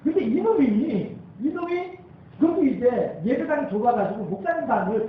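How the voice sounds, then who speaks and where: A man's voice: high-pitched, a little hiss or hum. Man preaching in a tinny, echoey church. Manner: animated storytelling, building to emphatic calls to the congregation. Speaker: pastor. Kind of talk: sermon. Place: church sanctuary. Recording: tinny, very echoey hall, voice from far off.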